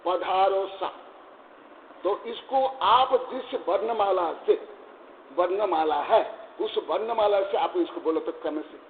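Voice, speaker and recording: High-voiced man teaching in an echoing hall. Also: measured pace, a little hiss or hum. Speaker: Jain monk teaching scripture. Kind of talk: scripture class lecture. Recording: echoey, tinny lo-fi hall recording.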